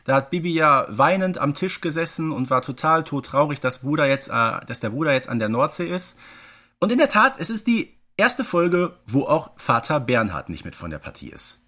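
A man's voice: a little high, very animated, normal speed, pushed and bright. A man co-hosting a podcast, chatting casually and analytically. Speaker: podcast co-host.

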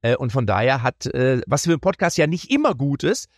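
A middle-aged man, a comedian guesting on a podcast, telling anecdotes in a lively, casual way and dropping into playful put-on voices. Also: medium pitch, brisk, no echo, clean studio sound. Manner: animated storyteller slipping into mock Italian and English voices.

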